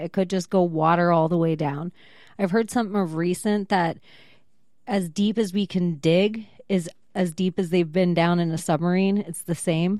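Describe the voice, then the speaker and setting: A woman with an American accent speaks at a moderate pace in a normal speaking voice, fairly low in pitch with ordinary pitch variation, on a very clean recording with a silent background. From Florida. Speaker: podcaster and researcher. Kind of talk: casual chat.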